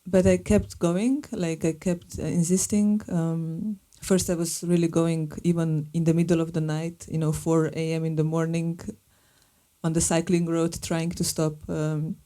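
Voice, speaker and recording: Mellow low woman. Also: level tone, measured pace. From Slovenia. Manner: thoughtful, searching for words. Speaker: filmmaker and artist guest. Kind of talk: live panel conversation.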